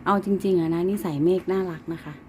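A woman's voice: lowish voice, steady tone, fairly quick, mellow, slight background noise. Woman cooing at her cats at home. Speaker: pet owner filming her cats and rabbits. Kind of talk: casual chat to pets and viewers.

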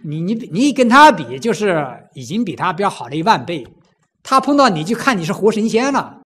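A man with a high, lively voice preaches a Buddhist sermon. He swoops up and down through his range, fires rhetorical questions at the listeners and acts out people crying out in pain. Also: fairly quick, slightly rough.

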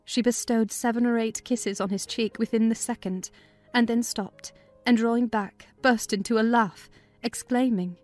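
A woman's voice: on the high side, fairly even intonation, moderate pace, darkish tone, faint music behind. A woman narrating a classic novel as a scripted, dramatized audiobook reading.

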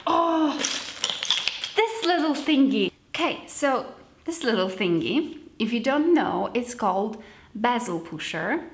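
A woman's voice: on the high side, big pitch swings, slow, noisy background. Young woman, roomy echo. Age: young adult. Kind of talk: casual vlog chat to camera. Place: sparsely furnished room with wooden floor, indoors.

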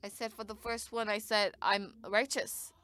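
A woman's voice: mid-range voice, level tone, normal speed, fairly bright tone, clear, resonant tone. A woman giving live interpretation of a sermon, speaking in short bursts with frequent restarts.

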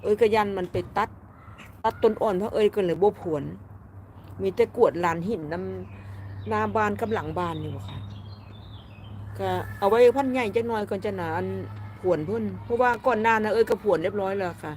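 A woman's voice: mid-range voice, a little fast, a little mellow, a little hiss or hum. A woman with an Isan Thai accent chatting casually with live viewers from her garden, laughing often as she reads their comments. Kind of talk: casual live-stream chat. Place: home garden outdoors.

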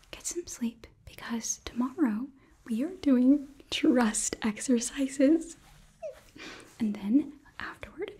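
A young woman playing a cheerful, nurturing demon princess hotelkeeper in a whispered ASMR roleplay, breathy, gentle and halting, close to the mic. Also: on the high side, heavily acted. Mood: excited, tender. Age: young adult. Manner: gentle, bubbly, halting, reassuring. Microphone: close microphone, facing camera.

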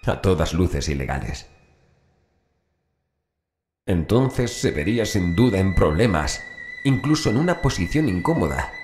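A man with a very low voice narrates a horror audiobook. The recording has a noticeable roomy echo, and music runs softly behind his scripted reading. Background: background music.

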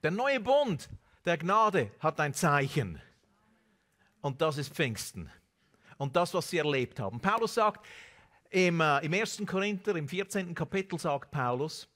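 A man in his forties preaching a sermon on a large church stage through a headset mic, animated and peppered with Amen and Hallelujah. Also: fairly high pitch, unhurried. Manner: animated preaching with Amen and Hallelujah interjections, mixing in English words. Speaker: pastor.

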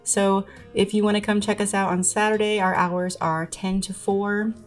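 A woman's voice: mid-range voice, level tone, moderate pace, faint music behind. A young woman who runs an antique booth, chatting casually in a voice-over with lots of ums. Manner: friendly, chatty, with frequent ums.

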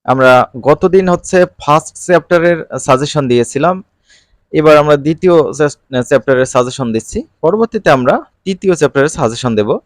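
Man, online tutor, casual exam-prep lesson, fairly high voice, dry close sound. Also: lively intonation, a little fast, no room sound. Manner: casual colloquial teaching with fillers.

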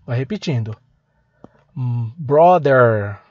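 Slow Brazilian teacher drilling English words. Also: male voice, medium pitch, expressive, no echo, muffled recording. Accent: Brazilian Portuguese. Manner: slow, drilling words for learners to repeat, breaks in to grab his pen. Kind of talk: language lesson for beginners.

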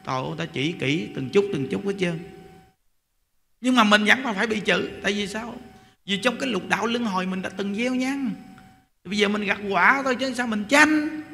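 High, bright Southern Vietnamese monk preaching. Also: male voice, vocal fry. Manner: animated, colloquial, acts out exchanges. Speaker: Buddhist monk teacher. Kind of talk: sermon. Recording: long hall reverb, faint noise.

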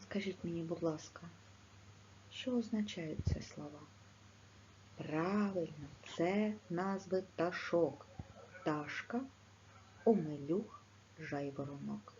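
A woman with a Ukrainian accent teaching a video lesson to schoolchildren, dictating slowly and clearly. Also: fairly low pitch, darkish tone. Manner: slow, clear, instructive dictation. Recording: slightly dull, faint background noise.

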